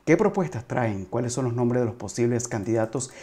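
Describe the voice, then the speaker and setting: A man's voice: medium pitch, expressive, brisk, mellow. A man hosting a political talk show, addressing his audience in a formal presenter's manner. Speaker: host, journalist.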